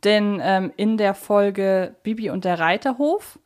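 A woman's voice: mid-range voice, measured pace, darkish tone. A woman co-hosts a casual fan discussion, explaining things chattily and drifting into side notes. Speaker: podcast co-host.

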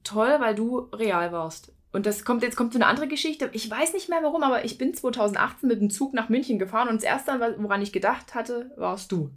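A woman's voice: a little high, fairly quick, hardly any pauses. Chatty woman hosting a podcast. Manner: chatty, self-correcting, laughs at herself. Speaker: podcast host. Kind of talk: casual podcast chat. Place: hotel room.

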